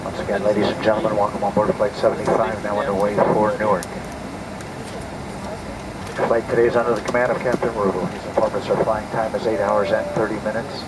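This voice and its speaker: Heavy cabin noise nearly covers a distant man on the aircraft PA. He is a flight attendant with a slightly low voice, running quickly through a formal announcement. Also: little pitch movement. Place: inside an airliner cabin. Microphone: cabin public address heard from a seat.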